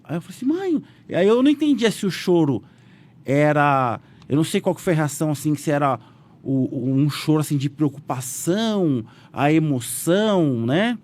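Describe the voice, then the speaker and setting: A businessman with a Brazilian Portuguese accent, a guest telling his story animatedly in a casual interview and acting out quotes. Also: moderate pace. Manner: animated, voices quotes with raised pitch, frequent "né?" fillers.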